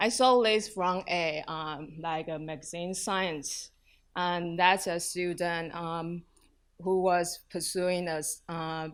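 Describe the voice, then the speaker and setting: On a very clean recording with a silent background, a woman speaks in a Chinese accent. Her fairly low voice moves at a very slow pace with fairly even intonation. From Taiwan. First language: Mandarin Chinese. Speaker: PhD student presenter. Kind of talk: conference talk. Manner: halting, many fillers.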